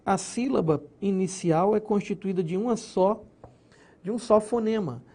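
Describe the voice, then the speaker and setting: A man's voice: high voice, moderate pace, warm tone. A man teaching a recorded grammar lesson, explaining step by step, splitting words into syllables and checking in with his students. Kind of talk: recorded exam-prep lesson.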